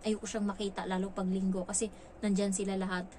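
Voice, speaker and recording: A woman's voice: mid-range voice, flat delivery, fast, mellow, a little hiss or hum. A woman from the Philippines vlogging casually and frankly about her work as a domestic helper abroad. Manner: chatty, frank, acts out quoted lines. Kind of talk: casual storytelling vlog.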